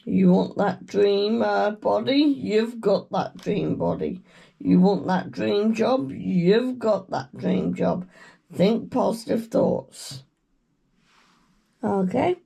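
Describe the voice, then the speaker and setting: A woman with a British accent, croaky from a cold, giving a slow, meandering tarot reading with murmured chants. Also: medium pitch, warm tone. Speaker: tarot reader. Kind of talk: casual tarot reading chat.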